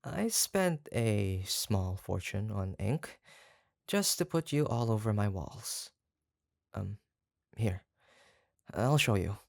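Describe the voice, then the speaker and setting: An actor voices an obsessive kidnapper in an intimate roleplay audio drama. The delivery is slow and halting, with a gravelly fry, coaxing and gushing with devotion yet faintly menacing. It sounds close and dry. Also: mid-range voice, expressive, dry recording. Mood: eager, sheepish.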